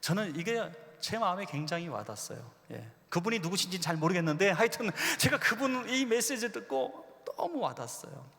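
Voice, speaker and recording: A man delivers a revival sermon in a church sanctuary, his raised, gravelly voice rising and falling dramatically. He acts out quoted lines as he tells stories. A long hall reverb trails every phrase. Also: sits high, fairly quick, few pauses. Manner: animated storytelling preacher, acts out quoted voices. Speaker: pastor.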